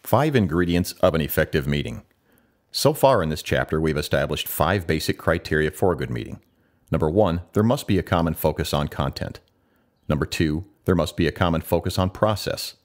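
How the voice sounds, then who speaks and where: Very deep-voiced man, polished narrator. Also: expressive, fairly quick. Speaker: voice-over artist.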